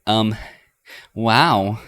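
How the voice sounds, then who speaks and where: A man voicing a shy, awkward young woman in a game, halting and easily flustered. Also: on the low side, a bit bright, voice pushed up. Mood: stunned. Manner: hesitant, halting.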